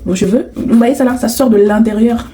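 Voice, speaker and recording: A woman's voice: a little high, brisk, mellow, faint music behind. A woman vlogging casually to camera in a sassy, teasing way, laughing often. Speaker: hair vlogger.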